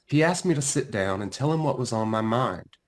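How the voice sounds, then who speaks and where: Male children's book narrator: mid-range voice, highly varied intonation, deliberate dramatic emphasis. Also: lively intonation. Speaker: author reading own book aloud. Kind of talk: expressive children's storybook narration.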